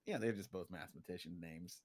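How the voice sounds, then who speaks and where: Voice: sits low, brisk, darkish tone. A livestream guest chatting casually, often giggling and playfully acting out quotes. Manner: giggly, playfully self-amused, dramatizes quotes. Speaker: livestream guest and character artist. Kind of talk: casual chat.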